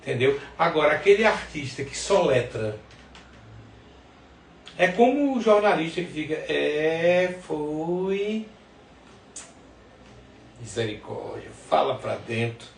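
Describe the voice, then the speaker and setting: A male podcast host chats and gives opinions with a northeastern Brazilian accent. His voice sits a little high. It is picked up from some distance in a clearly echoey room. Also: sing-song, normal speed, long pauses, slight background noise. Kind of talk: casual opinionated chat. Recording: roomy echo, distant mic.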